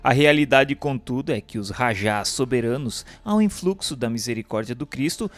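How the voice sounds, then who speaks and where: A man's voice: medium pitch, lively intonation, normal speed. A man with a Brazilian accent giving a solemn, formal, declamatory scripted narration of a religious text. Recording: music bed under the voice.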